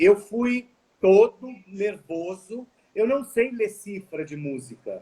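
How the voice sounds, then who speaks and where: Very slow in pace, a man with a high voice speaks with lively intonation and big swings in loudness. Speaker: actor. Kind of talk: live interview.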